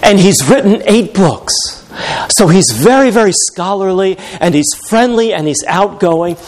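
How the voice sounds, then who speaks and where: A man's voice: sits high, unhurried. A middle-aged male pastor preaching a sermon, telling stories with wry humor. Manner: animated storytelling with wry humor.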